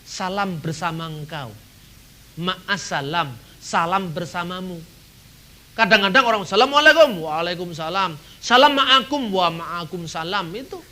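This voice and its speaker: A middle-aged man from Indonesia giving an animated seminar talk, acting out dialogues and chuckling now and then. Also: sits high, unhurried. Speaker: seminar speaker.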